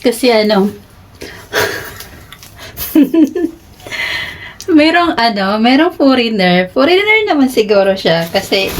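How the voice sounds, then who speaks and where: A woman's voice: a little high, slight background noise. A young woman with a Filipino accent, chatting casually in a vlog and telling a story with giggles and lots of fillers; she sounds sleepy. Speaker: vlogger.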